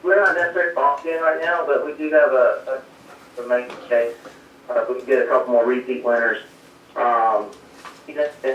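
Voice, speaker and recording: The line from his South Carolina home cuts in and out as a race crew chief modestly fields interview questions. His mid-range voice carries a little hiss or hum, and the remote call sounds dull, far off, and echoey.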